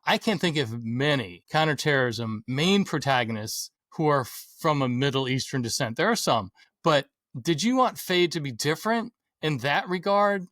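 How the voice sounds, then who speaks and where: A man's voice: fairly high pitch, lively intonation, normal speed, fairly bright tone, no room sound, studio quality. A middle-aged man hosting an interview podcast, asking questions and sharing his own stories. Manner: engaged, shares own anecdotes. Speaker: podcast host.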